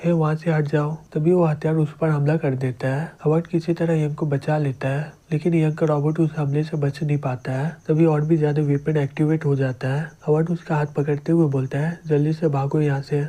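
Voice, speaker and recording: A man narrating a comic story in a steady recap style, as a comic explainer. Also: on the high side, moderate pace, hardly any pauses.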